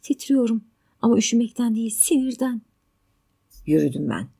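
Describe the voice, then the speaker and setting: A woman's voice: a little high, very animated, moderate pace, vocal fry, warm tone, husky, full character voice. Woman reading as a bitter, agitated stranded mother.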